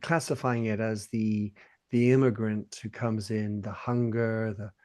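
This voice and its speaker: A man hosting a podcast interview, relaxed and a bit hesitant as he poses questions. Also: lowish voice, measured pace. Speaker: podcast host. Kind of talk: casual interview.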